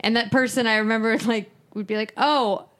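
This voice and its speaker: A woman's voice: fairly high pitch, fairly even intonation, brisk, fairly bright tone. A woman hosting a podcast, chatting casually and telling anecdotes, acting out the lines she quotes. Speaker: podcast host.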